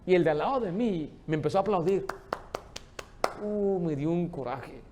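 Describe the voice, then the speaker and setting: Pastor guy preaching in church, kinda high voice, jokey storytelling. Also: moderate pace, background noise. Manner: lively storytelling, joking with the congregation. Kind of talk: sermon.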